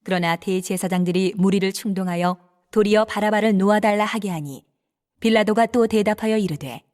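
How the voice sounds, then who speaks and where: A woman narrating scripture from a script in a measured, clearly enunciated reading style. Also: medium pitch, a little mellow.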